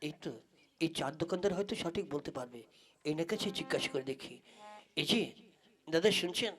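A woman's voice: low-pitched, lively intonation, a little fast. A woman playing a courteous, hesitant man who is a stranger in a village, in a comic puppet play. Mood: puzzled, polite. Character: polite, hesitant, increasingly impatient male stranger seeking directions.

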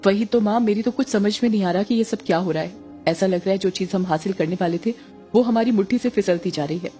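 A woman's voice: mid-range voice, fast talker, mellow, faint music behind, natural voice. A woman voicing an anxious young woman who pleads and insists with her mother. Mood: pleading.

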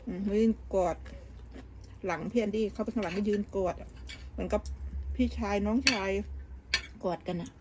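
Speaking at a moderate pace and pausing often, the woman has a mid-range voice against background noise. She's a vlogger gossiping casually about family as she cooks in a kitchen abroad, with many restarts and fillers.

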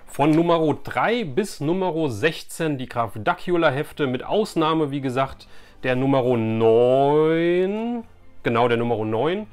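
A man's voice: a little high, expressive, takes it slowly. Chatty male collector vlogging, music behind. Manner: anecdotal, conversational, addressing viewers directly. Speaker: YouTube host, collector. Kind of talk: casual chatty vlog. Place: small indoor room with shelves of collectibles.

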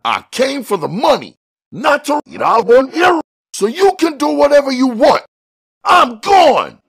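A deep-voiced man voicing an uneasy young male robber who speaks in sharp, clipped declarations. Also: huge pitch swings, takes it slowly, gravelly, heavily acted. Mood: defiant.

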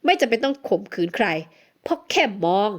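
A woman voicing an arrogant young foreign man who speaks slowly and smugly in a storybook reading. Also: on the high side, big pitch swings.

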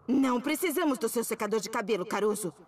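A woman voicing a brisk, commanding teenage girl hero in a cartoon. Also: on the high side, a little mellow, close to an everyday voice. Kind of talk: cartoon voice acting. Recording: distant with music behind.

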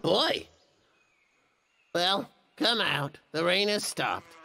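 A man voicing a hapless, scheming middle-aged logger in an animated cartoon, stammering, pleading and blustering. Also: high voice, extremely slow, gravelly, full character voice. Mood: smug. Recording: music under the voice.

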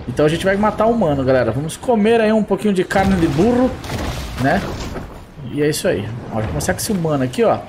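A man doing excitable gameplay commentary, often exclaiming to his audience. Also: sits high, quick pace, background noise. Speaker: gameplay streamer.

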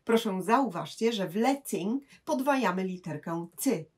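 A woman teaching English grammar, explaining patiently and saying English examples slowly and clearly. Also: medium pitch, expressive, a little mellow.

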